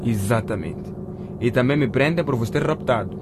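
A man playing a calm, cautious adult in a radio drama, patiently explaining things to children. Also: medium pitch, normal speed, natural voice. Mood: serious, reassuring. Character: calm, cautious man driving two boys home. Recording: car noise behind the voice.

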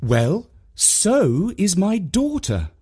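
Spirited mother, indignant, higher voice, animated, as the narrator puts her on. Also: very slow, husky, exaggerated voice. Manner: lively and indignant. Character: spirited mother, indignant but good-humoured.

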